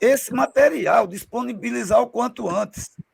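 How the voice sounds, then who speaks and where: A man speaks at a fairly slow pace, with a dry, close sound and no echo. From Brazil, Natal (Northeast). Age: 60s. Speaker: human rights activist, program host. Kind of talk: casual chat. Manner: halting, many repeated words.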